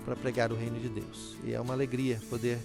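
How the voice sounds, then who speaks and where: A man, a seminary chaplain and pastor, addressing viewers formally with occasional filler pauses. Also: mid-range voice, little pitch movement. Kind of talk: prepared address to camera. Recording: guitar music under the voice. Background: clear guitar music.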